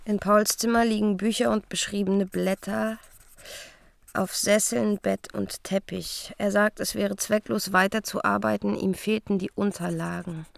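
A dreamy young woman in love, musing through her diary in a radio play. Her voice is slightly low and noticeably creaky, with a hushed, intimate delivery that drifts into slow pauses. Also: fairly even intonation, no echo. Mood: matter-of-fact, musing. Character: young East Berlin woman in love, dreamy travel diarist. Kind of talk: intimate radio drama monologue in diary form.

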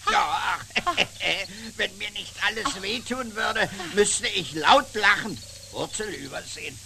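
An actor playing a grumpy, sly male fox in a children's puppet show, gruff and sarcastic, with theatrical groaning. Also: sits high, slow, sharp tone, slight background noise, heavily acted.

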